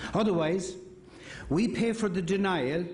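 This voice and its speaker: A man with an Irish accent at a moderate pace. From Sligo, Ireland. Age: 60s. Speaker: independent election candidate; retired welfare inspector. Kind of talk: political campaign speech.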